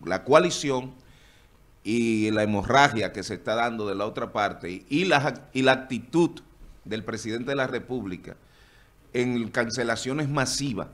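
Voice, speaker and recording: A middle-aged man speaking into a desk microphone in a television studio, arguing political points on a panel. His voice is at an everyday pitch and he presses his case firmly. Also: unhurried, a bit bright. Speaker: political panelist, council candidate. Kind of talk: heated political debate.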